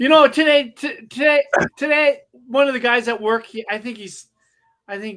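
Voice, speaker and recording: A man projects a raised voice of extremely high pitch and a bright, sharp tone, with lively intonation at a fairly slow pace. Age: 60s. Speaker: podcast co-host, cosplayer. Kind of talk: casual chat.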